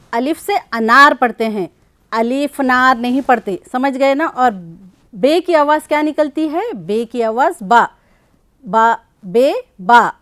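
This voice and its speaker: A middle-aged woman teaches young children with a slightly raised voice. She explains patiently, asks questions and slowly repeats each sound. Her voice sounds dry and close. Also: high voice, dry recording. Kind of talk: classroom lesson for children.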